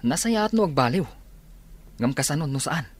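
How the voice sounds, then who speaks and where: A man's voice: fairly high pitch, very animated, normal speed, no echo. A man with an Ilocano accent, playing a doubtful young man who questions a friend in a radio drama. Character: wary young man doubting someone's change.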